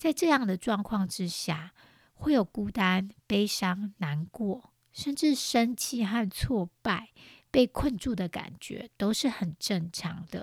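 On a very clean recording with a silent background and a dry, close sound with no echo, a woman with a Taiwanese accent speaks at a very slow pace, medium-pitched and somewhat breathy, with a warm, gentle tone and lively intonation. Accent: Taiwanese Mandarin. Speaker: life coach and podcast host. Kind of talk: personal monologue podcast.

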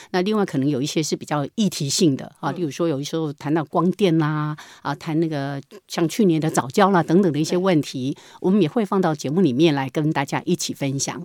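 Here a woman speaks at a fairly quick pace with a very deep, low pitch. The recording is very clean with a silent background, and the sound is dry and close with no echo. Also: ordinary pitch variation. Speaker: radio host. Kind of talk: casual chat. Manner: witty and elegant.

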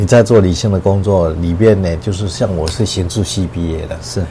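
Over noticeable background noise, a man with a very deep, low voice speaks at a moderate pace with ordinary pitch variation. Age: 70s. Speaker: retired police chief and ink painter. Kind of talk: interview. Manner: hesitant, many fillers.

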